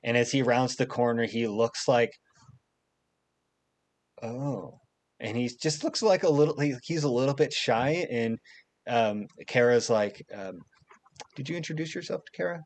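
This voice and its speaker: A man running a tabletop game, describing scenes at a slow, leisurely pace. He rambles and pads his lines with fillers and hesitations. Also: mid-range voice, lively intonation. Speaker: game master.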